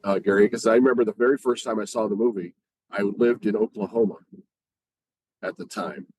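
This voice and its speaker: A man telling an anecdote conversationally, in a halting way with repeated phrases. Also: on the low side, a little mellow, breathy edge. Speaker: guest, community theatre player. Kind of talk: conversational storytelling.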